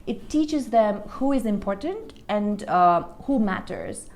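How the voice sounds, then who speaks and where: Lively woman narrating a scripted message. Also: mid-range voice, measured pace. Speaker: presenter for a read-aloud initiative.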